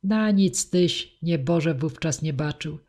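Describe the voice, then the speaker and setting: A wise old knight speaks slowly and warns his nephew, as a woman reads him aloud. He is weighty and fatherly, a figure from a storybook. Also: low-pitched, warm tone. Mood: admonishing. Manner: slow, admonishing. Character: old knight Maćko, wise and worried uncle.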